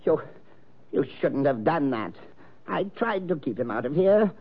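A man's voice: fairly high pitch, sing-song, measured pace, husky, heavily acted. An actor playing a nervous, stammering old male art collector in a 1940s radio drama. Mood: terrified. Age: older. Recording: dull old radio broadcast with faint hiss.

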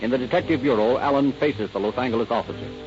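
A man narrating a 1930s radio crime drama in a grave, even way. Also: mid-range voice, fast talker. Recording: dull old radio recording with music.

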